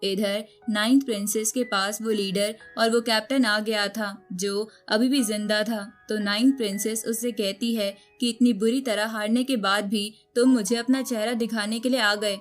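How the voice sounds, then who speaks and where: A woman with a fairly high voice narrates a story recap from a script. She tells it as a storyteller, moving from one event to the next. Background music runs beneath her voice. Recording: music bed under the voice.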